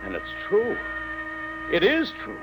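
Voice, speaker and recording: A man's voice: very high voice, huge pitch swings, takes it slowly, very noisy, full character voice. An actor playing an earnest, cautious middle-aged father in a 1950s radio drama, with a hesitant, questioning way of talking. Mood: stunned.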